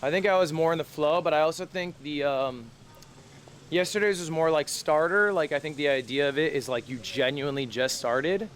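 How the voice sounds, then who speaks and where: A man's voice: a little high, normal speed, a bit bright. Joking, cursing young male streamer. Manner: joking, swears freely, talks straight to chat. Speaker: streamer playing a university professor. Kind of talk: casual live-stream chat.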